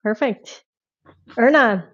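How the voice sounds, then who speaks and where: A woman's voice: a little high, takes it slowly. A woman hosting a group video call, talking loosely with many fillers and restarts. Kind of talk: casual group chat. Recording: dull lo-fi call audio.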